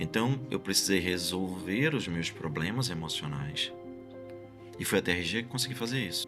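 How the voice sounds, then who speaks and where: Music plays in the background as a man speaks at a moderate pace. His very deep, low voice has lively intonation. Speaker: therapist, creator of a therapy method. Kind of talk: interview answer.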